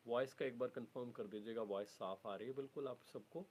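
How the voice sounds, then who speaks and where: A man's voice: mid-range voice, fairly quick, darkish tone, slight background noise. A middle-aged man hosting a live stream from an office, mixing English words into his speech as he reads out viewers' cities. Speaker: live-stream host and trainer. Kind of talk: live-stream chat reading viewer messages.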